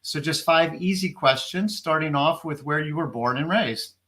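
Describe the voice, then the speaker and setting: A man's voice: fairly high pitch, normal speed, fairly bright tone. A man hosting a casual interview, upbeat and encouraging as he asks his guest questions. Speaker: host.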